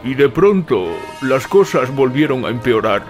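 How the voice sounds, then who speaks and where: Casting: male actor for steady small-town man, audio drama. Grave, ominous, measured, mid-range voice with music behind. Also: medium pitch.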